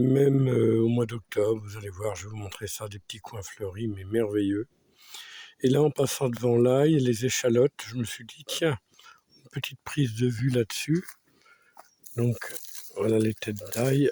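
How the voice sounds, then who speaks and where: A man's somewhat breathy, dark and mellow voice at medium pitch, fairly slow with long, frequent pauses, ordinary pitch variation, and a dry, close sound with no echo. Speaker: gardening vlogger. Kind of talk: casual video tour. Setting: outdoors in a garden.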